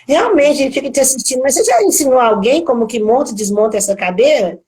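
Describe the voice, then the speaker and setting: A woman's voice: high-pitched, expressive, fast talker, a little mellow, poor audio. Hesitant Brazilian woman guest, thinking aloud. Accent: Brazilian Portuguese. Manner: hesitant, often repeats words and restarts, reflective. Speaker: guest on a live talk. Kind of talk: casual conversation on a live stream.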